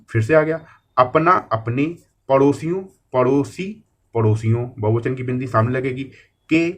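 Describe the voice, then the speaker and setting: A man's voice: medium pitch, a bit bright. A man teaching a shorthand class online, explaining each outline step by step and checking in with his students often.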